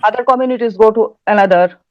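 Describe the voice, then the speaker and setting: A woman from West Bengal with a Bengali Indian accent talks fast in a rather high voice, explaining things as an interview guest and often groping for words. She is a folktale researcher and writer, and the audio is dull and lo-fi.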